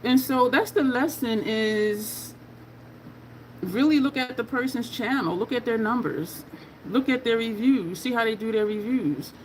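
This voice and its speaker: A woman's voice: a little high, a little slow, slight background noise, rough recording. A woman in her fifties chatting candidly while doing her makeup, answering viewer questions in a frank, conversational way. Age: 50s. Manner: candid, chatty, reading viewer comments aloud. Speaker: makeup vlogger.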